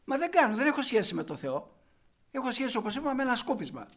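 High-voiced man preaching emphatically. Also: big pitch swings. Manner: emphatic, with rhetorical questions to the congregation; shifts between hushed asides and loud stressed points. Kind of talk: sermon.

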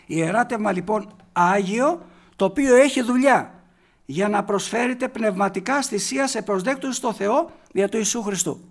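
A man preaching a sermon, emphatic and full of rhetorical questions, moving between quiet passages and loud, forceful bursts and slowing down to stress key words. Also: sits high, vocal fry.

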